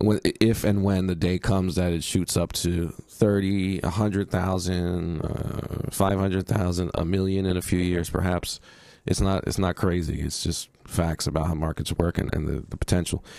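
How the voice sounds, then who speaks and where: A man with a dark, mellow tone and fairly even intonation speaks at a moderate pace with hardly any pauses, in a very clean recording with a silent background. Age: 40s. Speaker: crypto and forex trading streamer. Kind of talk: live stream commentary. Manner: casual with many fillers.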